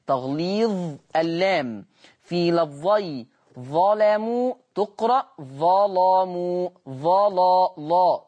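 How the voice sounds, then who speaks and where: A man teaching Quran recitation on a broadcast lesson, patiently repeating words slowly to demonstrate their sounds. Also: a little high, a little mellow. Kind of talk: televised Quran lesson, explaining Warsh reading.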